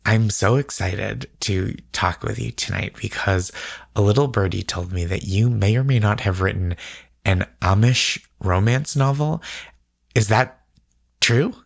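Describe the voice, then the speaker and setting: A man co-hosting a podcast in a relaxed, casual chat, attentive and encouraging toward his partner. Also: fairly low pitch, a little slow, vocal fry, no room sound, clean studio sound. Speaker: podcast co-host.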